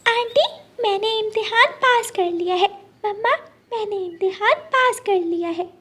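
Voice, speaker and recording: A woman's voice: extremely high pitch, a little slow, pushed and bright, pitched above the performer's own voice, heavily acted. A woman voicing an eager, earnest young girl bird in a cartoon story. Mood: overjoyed.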